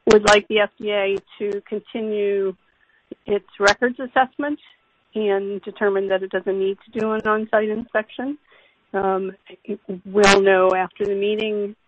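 A woman company executive speaks in a careful, formal way, explaining things step by step on an earnings call. Her delivery is fairly even, and the conference line is dull with a clear hiss. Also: medium pitch. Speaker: company executive answering analysts' questions. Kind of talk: earnings call question and answer.

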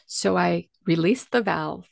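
A woman's voice: lowish voice, a little slow, gravelly, dry recording, clean studio sound. A woman speaking candidly and emotionally in a conversation, earnest and emphatic.

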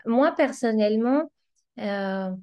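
A woman's voice: fairly high pitch, slow, mellow. A woman whose first language is Spanish, a language teacher talking as a guest in a casual discussion, thoughtful and hesitant, searching for words. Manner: hesitant, many fillers and restarts, thoughtful.

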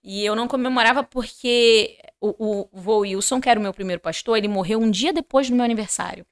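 A woman from Rio de Janeiro, Brazil, speaks in a slightly high voice at a fairly quick pace. On a podcast, she relates her faith testimony in conversation, dramatizing the lines she quotes and talking straight to the audience.

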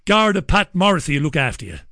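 Hoarse, chatty male radio host. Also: a little high, big pitch swings, fast talker, pushed and bright, no room sound, studio quality. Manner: joking, chatty, reads messages aloud and answers them. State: hoarse, losing his voice, chesty. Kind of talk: casual talk radio, reading listener messages.

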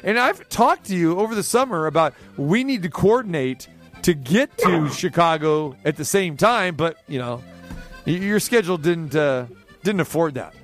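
A man's voice: a little high, animated, moderate pace, faint music behind. A man hosting a sports radio show, chatting casually and teasing his guest, with many restarts.

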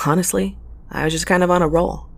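In an audio drama, a woman plays a wry, restless mail courier of the space lanes, narrating in the first person. Her voice is a little low and husky, steady in tone but fast, and her delivery is conversational and sardonic, like muttering to herself, in a wry, confiding mood.

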